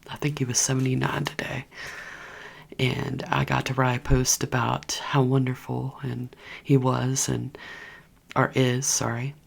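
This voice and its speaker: A woman whispering in a rambling, chatty way, talking straight to her viewers for an ASMR video. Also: a bass voice. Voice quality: breathy whisper. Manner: rambling, chatty, addresses viewers as "you guys". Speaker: ASMR creator. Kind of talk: whispered ASMR gossip chat. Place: indoors at home, heater running.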